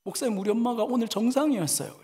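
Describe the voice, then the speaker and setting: An anxious middle-aged church deaconess, put on by a male preacher, pours out her worries in an excited, pleading rush. Her voice sits well above his own and rings through a long church-hall reverb. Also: extremely high pitch, very fast, voice pushed up. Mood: tearful. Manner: excited, pleading retelling in a raised voice.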